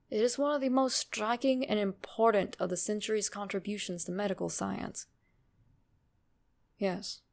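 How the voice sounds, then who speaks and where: A woman voicing a grave, measured male physician with formal, deliberate speech in a dramatic horror reading. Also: medium pitch, creaky, a little mellow.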